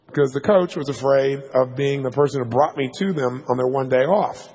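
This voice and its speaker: A man telling a story to a live audience as a motivational speaker, fast and punchy, checking in with "right?" asides. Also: mid-range voice, darkish tone, slightly rough. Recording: long hall reverb.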